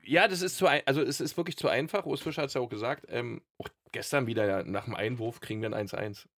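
A man's voice: medium pitch, fast talker, fairly bright tone. A man chatting casually about football as a podcast expert, colloquial and blunt in how he talks.

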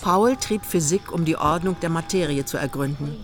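A woman's voice: low-pitched, normal speed, faint music behind, natural voice. A woman acting as the storyteller of a literary radio play about a young couple's journey. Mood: composed narration. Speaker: narrator.

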